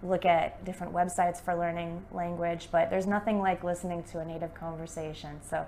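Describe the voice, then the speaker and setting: A woman's voice: on the low side, little pitch movement, a little fast, darkish tone. Upbeat American woman teacher, faint background noise. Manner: upbeat, chatty, many fillers. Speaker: English teacher. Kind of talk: casual conversation lesson.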